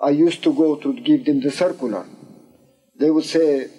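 Older Persian-born man, husky and mellow. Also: fairly high pitch, normal speed, low-quality recording. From Iran. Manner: animated storyteller, voice rising in quoted speech, gesturing. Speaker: interviewee. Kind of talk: storytelling oral history. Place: dim room indoors. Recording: old VHS tape.

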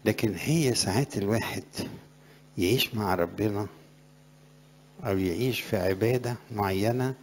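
A man's voice: fairly low pitch, normal speed, long pauses, a little mellow. A middle-aged man, a priest with an Egyptian Arabic accent, giving a conversational sermon to young graduates and rising in emphasis on scripture verses.

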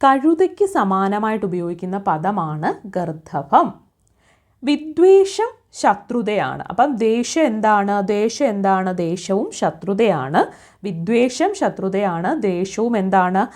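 A woman's voice: medium pitch, sing-song, measured pace, darkish tone. Woman as an exam coach, drilling quiz answers by repetition and rhetorical questions. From Kerala.

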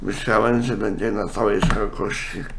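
A man, a congested nose and a speech impediment, giving a casual, halting software walkthrough. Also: fairly low pitch, steady tone, creaky, background noise. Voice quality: congested, blocked-nose sound; speech impediment, imperfect articulation. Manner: halting, with self-corrections. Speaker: software tutorial presenter.

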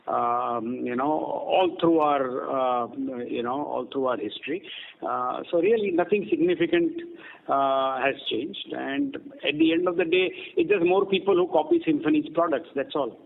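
A man's voice: a little high, gravelly. A man, a company executive answering questions on an earnings call in a blunt, dismissive way. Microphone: conference phone call. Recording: narrow noisy phone line.

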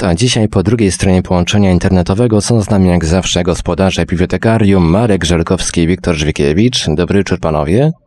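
A man hosting a radio show, introducing it and reading announcements in a formal, measured way that addresses listeners directly. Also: sits low, darkish tone. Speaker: radio host.

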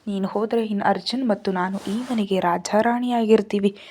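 A woman's voice: mid-range voice, steady tone, normal speed, a little mellow, lightly acted. A woman reading the part of a spiteful young woman who gloats gleefully over a rival. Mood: gloating.

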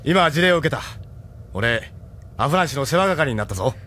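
An actor playing a blunt, friendly ship captain in a radio drama. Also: male voice, a little high, expressive, sharp tone, a little hiss or hum. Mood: hearty. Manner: brisk, blunt, casual.

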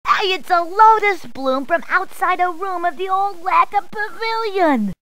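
A woman's voice: very high voice, lively intonation, a little slow, pushed and bright, dry recording, exaggerated voice. A chirpy punning policewoman. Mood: upbeat. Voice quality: punny, chirpy quips. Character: cheerful female city police officer. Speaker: in-game helper character. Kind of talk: video game voice clips.

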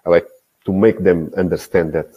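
A man in his forties, a guest football coach, talking in a casual interview over a video call. His speech is halting, full of restarts and repeated words. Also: low voice, fairly even intonation, lo-fi sound. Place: small indoor room. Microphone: video call, earphones with mic.

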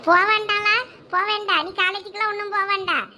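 A woman's voice: very high voice, steady tone, pushed and bright, heavily acted. A woman playing a nagging village mother. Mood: scolding. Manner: scolding, rapid nagging. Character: scolding middle-aged village mother, overworked and sharp. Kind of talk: village comedy sketch.

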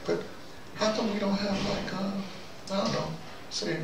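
Speaking in a high-pitched, gravelly voice with a steady tone and measured pace, an older video diarist muses to camera in an opinion monologue. He wanders off on digressions and keeps putting questions to himself, and the sound is roomy and noisy, picked up by a distant mic.

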